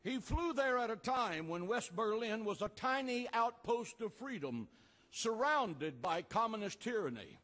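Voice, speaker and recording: Slow, booming older preacher at a rally. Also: male voice, big pitch swings, big-room sound. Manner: slow, emphatic, repeated refrains, rising to shouts. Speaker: pastor giving a speech. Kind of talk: oratorical rally speech. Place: outdoor rally at an ancient port.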